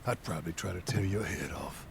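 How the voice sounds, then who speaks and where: An actor playing a gruff, fiery but big-hearted rebel leader and worried father in a video game. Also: deep voice, a little fast. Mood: anguished, pleading. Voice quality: gruff, gravelly. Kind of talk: dramatic video game voice acting. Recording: game audio with clear background noise.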